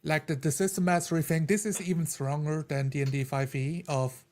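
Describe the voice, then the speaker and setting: A man's voice: on the high side, steady tone, fairly quick, a little mellow. A man who plays tabletop games, chatting casually about rules and often repeating words as he works out his point. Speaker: tabletop role-playing player.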